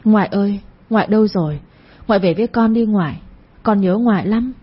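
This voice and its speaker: A woman's voice: medium pitch, expressive, a little fast, husky, muffled recording. A woman voicing a grief-stricken young village woman who pleads and talks through her distress. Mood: tearful.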